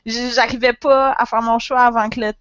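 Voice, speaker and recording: A woman's voice: a little high, level tone, fairly quick, a bit bright, lo-fi sound. A woman, a guest chatting casually on a podcast, hesitating and restarting her sentences. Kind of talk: casual chat.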